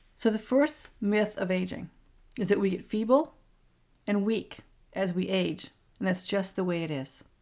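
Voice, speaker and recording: With lively intonation and a medium pitch, a woman speaks at a moderate pace, pausing long and often. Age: 50s. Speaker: doctor and health podcast host. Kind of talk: solo podcast monologue.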